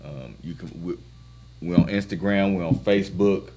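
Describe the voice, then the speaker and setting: A man guest calmly giving event details, hesitating with ums. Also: sits low, moderate pace. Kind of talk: interview answers.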